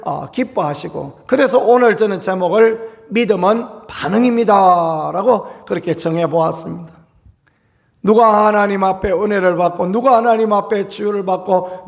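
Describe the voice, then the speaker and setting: A man's voice: high voice, creaky. A male pastor preaching an early-morning sermon in an earnest way, rising into emphatic calls. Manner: acts out quoted cries with raised voice.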